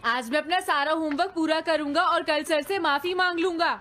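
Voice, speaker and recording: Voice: extremely high pitch, moderate pace, noisy background. An actor voicing an anxious, hapless schoolboy with a childlike, whiny voice in a comedy cartoon. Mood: defensive, hurried. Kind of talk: dubbed cartoon acting. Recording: loud music behind the voice.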